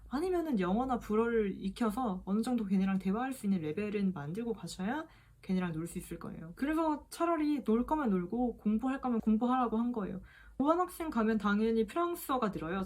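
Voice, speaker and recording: A woman's voice: on the high side, darkish tone. A young woman in her twenties answering questions in a chatty, playful vlog. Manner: chatty, playful, mimics voices in quotes. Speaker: vlogger. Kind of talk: casual Q&A vlog.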